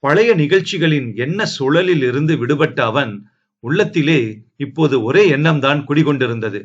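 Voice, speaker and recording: A man reading a family novel aloud in a steady, measured storytelling voice. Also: on the high side. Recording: dull lo-fi audio.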